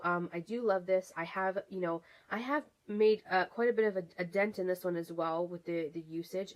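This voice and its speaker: Chatty woman reviewing makeup, low voice. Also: rough recording. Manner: chatty, many fillers and restarts, gushing. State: getting over a cold, coughing. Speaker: beauty vlogger. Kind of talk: casual product review.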